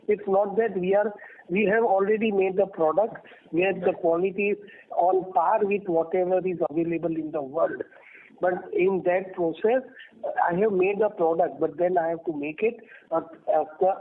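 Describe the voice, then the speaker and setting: A man with an Indian accent answering questions as a company executive on an earnings call, speaking emphatically and repeating himself for stress. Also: high-pitched. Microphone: telephone. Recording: muffled narrowband phone conference line.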